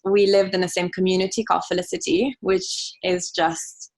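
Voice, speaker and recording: A young woman who grew up in Italy talks with old friends about her childhood. She thinks aloud, full of fillers and small restarts, relaxed and open. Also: on the low side, moderate pace. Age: young adult. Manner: reflective, chatty, lots of "like" and "um". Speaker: podcast guest. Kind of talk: casual conversation.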